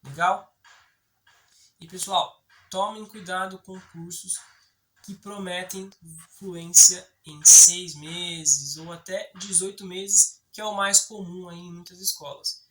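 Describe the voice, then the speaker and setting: A man's voice: sits high, steady tone, takes it slowly, sharp tone, a little hiss or hum, low-quality recording. A man with a Brazilian Portuguese accent, explaining in a chatty way for an English-learning video and often checking in with the viewer. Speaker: English teaching YouTuber.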